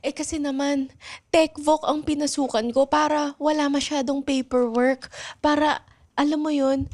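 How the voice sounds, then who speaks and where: A woman's voice: high-pitched, steady tone, a little slow, a little mellow. A woman playing a whiny, complaining but dutiful teenage schoolgirl in an improvised radio drama. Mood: whiny, grumbling. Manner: whining, complaining.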